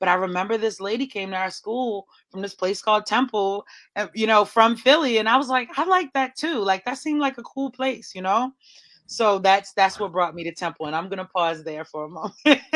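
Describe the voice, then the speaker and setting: A woman with an American accent, fairly quick pace and lively intonation, on a very clean recording with a silent background. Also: medium pitch for a woman. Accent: Baltimore accent trained out. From Baltimore, Maryland, US. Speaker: museum programming director and poet. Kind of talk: interview conversation. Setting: radio talk show. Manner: animated storytelling.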